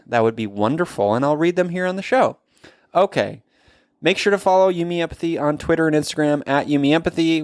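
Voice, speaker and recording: A man's voice: mid-range voice, no echo, clean studio sound. A man hosting a podcast, reading his intro and chatting with a guest in an earnest, friendly way. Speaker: podcast host.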